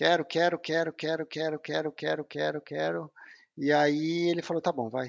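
A man at a moderate pace, his intonation monotone and flat. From São Paulo city, Brazil. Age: 50s. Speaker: bike shop professional. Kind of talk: casual interview chat.

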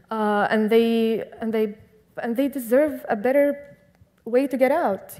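A woman in a Syrian accent speaks slowly-ish at a fairly slow pace, her fairly high pitch carrying a dark, mellow tone and fairly even intonation. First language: Arabic. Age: 20s. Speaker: activist and photographer. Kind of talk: interview. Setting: stage with audience. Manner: halting.

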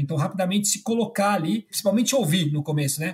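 Speaking very rapidly, a man lets his pitch vary in an ordinary way. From Brazil. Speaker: e-commerce company CEO. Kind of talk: interview conversation.

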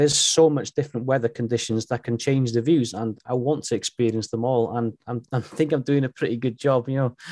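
With a North Welsh accent, a man talks at a medium pitch with fairly even intonation and hardly any pauses, the sound dry and close with no echo. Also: fairly quick pace. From Wales, Anglesey. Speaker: hiker. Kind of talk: casual chat. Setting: phone call.

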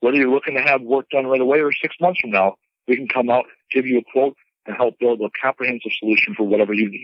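A man with an American accent speaks at a medium pitch, with ordinary pitch variation. It is a normal speaking voice. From Wisconsin, Milwaukee. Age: 30s. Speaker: small business owner, military veteran. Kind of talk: radio interview. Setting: phone call.

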